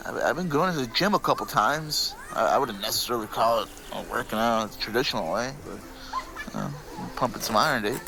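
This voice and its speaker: A man's voice: mid-range voice, expressive, fairly quick, creaky, background noise. An actor playing a reluctant, flustered regular-guy husband with hesitant, defensive, slangy talk in an audio fiction podcast.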